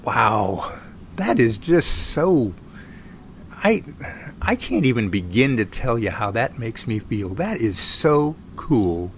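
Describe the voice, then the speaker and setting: In an amateur audio drama, a man plays an earnest, folksy research team leader who sounds impressed. His medium-pitched delivery is halting and sing-song, and the homemade recording has noticeable background noise.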